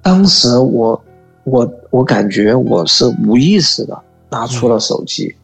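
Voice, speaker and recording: Gravelly guy telling his ghost story on a call, stops and repeats himself a lot, soft music under it. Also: medium pitch, animated, low-quality recording. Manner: halting, repeats words, slow and earnest. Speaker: caller.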